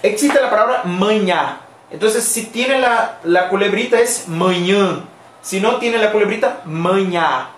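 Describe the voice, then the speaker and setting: A woman's voice: fairly high pitch, moderate pace, hardly any pauses, roomy sound, slight background noise. A woman teaching Portuguese pronunciation in a live online lesson, explaining patiently and repeating the model words. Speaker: Portuguese teacher for Spanish speakers.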